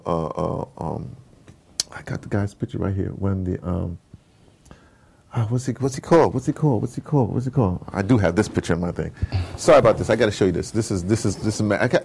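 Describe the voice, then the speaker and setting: Gravelly-voiced man in digressive interview talk. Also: on the low side, a little fast, a little hiss or hum. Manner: animated storyteller who repeats words and wanders off point. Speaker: interviewed audio drama producer. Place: at his home base in New York.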